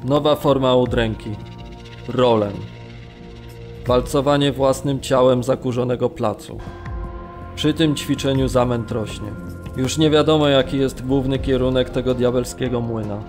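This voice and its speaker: A man's voice: medium pitch, steady tone, measured pace, a little mellow, natural voice. Actor as harrowed male camp prisoner, music behind. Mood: grim, harrowed. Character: male camp prisoner recounting his brutal ordeal. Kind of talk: dramatised documentary narration of survivor testimony.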